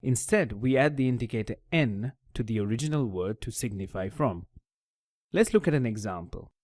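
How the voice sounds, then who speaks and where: A man teaching a language lesson in a scripted voice-over, his pitch rising and falling with lively emphasis. He explains each step in a clear, methodical way. The recording is dry and close, with no room sound. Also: normal speed, no room sound. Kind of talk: scripted tutorial narration.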